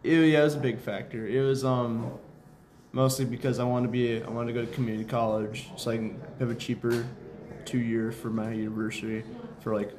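A man's voice: mid-range voice, little pitch movement, brisk, a little mellow, slight background noise. A young adult man with an American accent giving casual, hesitant, informal answers as an interview guest. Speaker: school mascot, interview guest. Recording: crowd chatter behind the voice. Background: crowd chatter.

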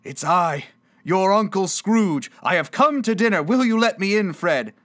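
Storybook old gentleman, voiced by a man: reformed, giddy, generous, effusively polite, highly animated delivery. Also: normal speed. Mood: excited, hopeful. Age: older. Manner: exclamatory, effusive, eagerly polite.

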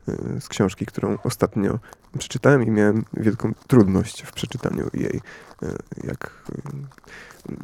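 A man hosting a radio talk show, musing slowly with many hesitations and fillers. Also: on the low side, gravelly, mellow. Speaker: radio host.

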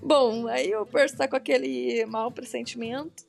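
A young woman with a very high voice chats about a book she is reading, her stories animated and broken up by laughter. Faint music plays behind her. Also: moderate pace, vocal fry. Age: young adult. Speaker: podcast co-host discussing a book. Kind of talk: casual chat.

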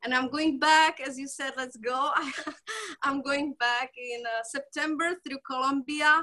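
A middle-aged woman from the Czech Republic, a native Czech speaker, talking as a healer guest in halting English, effusive and laughing often. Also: high voice, fairly even intonation, pushed and bright. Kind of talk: conversational interview.

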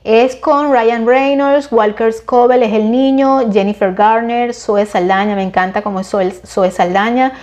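A woman in her forties with a Venezuelan accent, talking casually to her viewers and giving opinions, chatty and expressive with frequent restarts. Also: fairly high pitch, unhurried, hardly any pauses. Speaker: vlogger recommending series and films.

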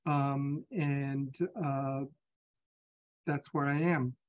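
A man in his fifties from Singapore, a physician answering interview questions in a measured, hesitant way. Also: mid-range voice, level tone, narrow, tinny audio. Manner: measured, hesitant, with many pauses. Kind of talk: conversational interview.

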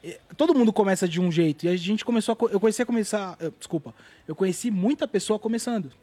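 Husky high-voiced man, rapid slangy São talk. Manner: animated, slangy, swears freely. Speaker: artist guest. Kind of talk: casual storytelling interview.

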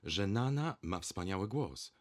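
A man reading a story aloud and voicing a naive young provincial gentleman who speaks in a high, hesitant voice. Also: expressive, a little slow. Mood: eager.

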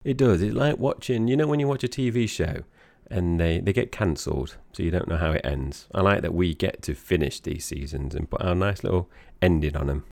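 Essex guy, really deep gravelly voice, casual podcast host chat, bit rambly. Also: brisk, hardly any pauses, darkish tone, no echo. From Essex, England.

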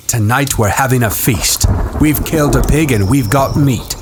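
A man's voice: medium pitch, normal speed, noisy background, pitched above the performer's own voice, close to an everyday voice. A man playing a swaggering boy chief. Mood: boastful. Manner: swaggering, commanding. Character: boastful, domineering boy chief.

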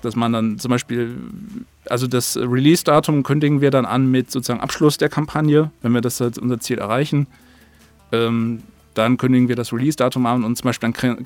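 Male podcast guest, medium pitch, casual and rambling, halting mid-thought. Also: no room sound. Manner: rambling, halting, circles back mid-sentence. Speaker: audio drama creator, interview guest.

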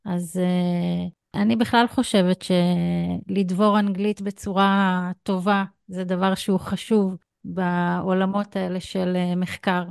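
Smooth-voiced Israeli woman hosting, dry sound. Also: on the low side, little pitch movement, a little mellow, no room sound. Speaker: podcast host. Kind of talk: conversational interview.

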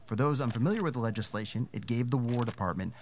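An actor playing a righteous councilman arguing legal points in a measured, formal, pointed way in a 1940s-style radio drama. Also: medium pitch, a little hiss or hum, natural voice.

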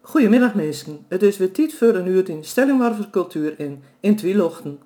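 A woman's voice: mid-range voice, animated, normal speed, warm tone, soft background music. A woman presenting a local culture radio program, greeting listeners in a friendly way.

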